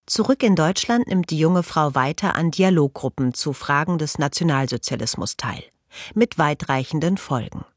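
A narrator reading a scripted documentary text in a measured, even way. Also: medium pitch, no echo, studio quality.

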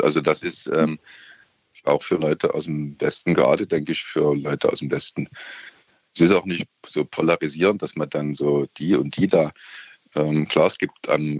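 Very deep-voiced Saxon man, husky. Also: no room sound, dull audio. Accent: Saxon German. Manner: hesitant, many fillers and restarts. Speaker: radio caller. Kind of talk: casual phone-in chat. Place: on holiday by the sea.

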